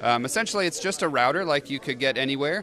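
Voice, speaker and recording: Music plays behind a man whose pitch varies in an ordinary way. The sound is dry with no echo. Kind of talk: interview answer. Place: hall. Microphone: handheld.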